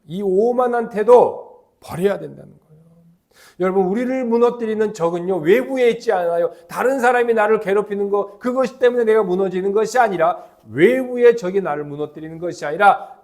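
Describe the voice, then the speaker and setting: Man, pastor, sermon, lively emphatic delivery, fairly high voice. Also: brisk. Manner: lively, emphatic preaching with call-and-response chants.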